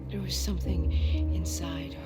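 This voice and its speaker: An actress playing a tense special-ops soldier who speaks in an urgent, hushed way in a game. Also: female voice, on the low side, steady tone, moderate pace, close to an everyday voice. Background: loud music.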